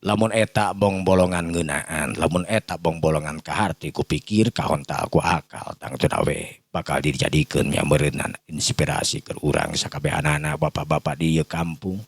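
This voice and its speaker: A man voicing a respectful village uncle in a folk story, halting and repetitive as he pleads deferentially, with a Sundanese accent. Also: very deep voice, breathy edge, dry recording, voice pushed down, exaggerated voice. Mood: earnest, respectful.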